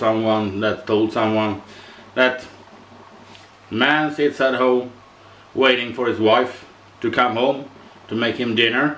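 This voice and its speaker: A man with a Swedish accent and a medium pitch speaks at a fairly slow pace with fairly even intonation. Audible room echo and noticeable background noise surround him. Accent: Swedish accent, non-native English. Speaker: home cooking youtuber. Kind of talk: cooking tutorial. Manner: halting, with frequent hesitations.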